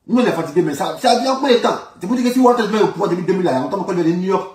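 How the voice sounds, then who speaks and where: A man's voice: high-pitched, lively intonation, rapid-fire, a little mellow. A man with an Ivorian French accent giving informal political commentary, insisting on his points and repeating his phrases emphatically. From Ivory Coast. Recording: roomy echo, distant from the mic.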